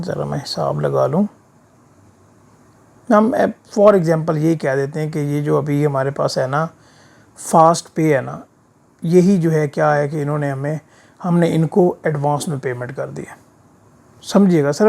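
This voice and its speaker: Creaky-voiced man teaching, throat a bit sore. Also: on the high side, darkish tone. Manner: explains step by step, checks understanding with short tag questions. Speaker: instructor of an accounting software course. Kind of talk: screen-share tutorial, informal explaining. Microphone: voice-over of a screen recording.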